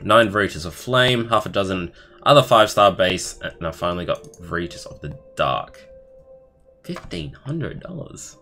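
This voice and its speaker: Low, bright-voiced man streaming. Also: moderate pace, gravelly, faint music behind. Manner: expressive, swears casually, interjects asides into his reading. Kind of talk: casual livestream read-aloud with running commentary.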